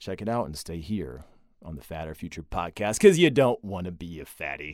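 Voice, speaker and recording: A man speaks at a moderate pace with vocal fry in his voice. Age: 30s. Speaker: podcast host and fitness expert. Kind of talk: interview. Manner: animated.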